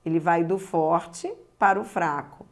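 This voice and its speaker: A Brazilian woman teaching a grammar lesson, stretching key words and speaking straight to the viewer. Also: on the low side. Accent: Brazilian Portuguese. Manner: slow and deliberate, stretching key words, addressing the viewer directly.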